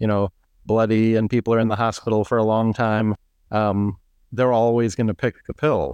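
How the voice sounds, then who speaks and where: A plain, everyday voice from a man with an American accent, medium in pitch, at a moderate pace against a quiet background. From Arizona. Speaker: urologist. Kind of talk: interview.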